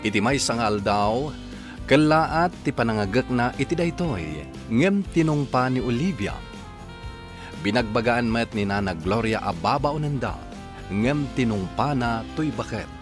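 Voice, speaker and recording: Male announcer, unhurried, expressive narration over music. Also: mid-range voice. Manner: measured announcer delivery. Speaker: radio drama narrator. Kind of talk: scripted radio narration.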